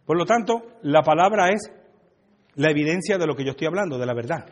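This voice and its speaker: A man's voice: fairly high pitch, lively intonation, fairly quick, long reverb tail. A Puerto Rican man from Brooklyn, preaching a joking, conversational sermon and talking back and forth with his congregation. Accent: Puerto Rican Spanish. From USA (Brooklyn), Puerto Rican family. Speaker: pastor. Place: church hall.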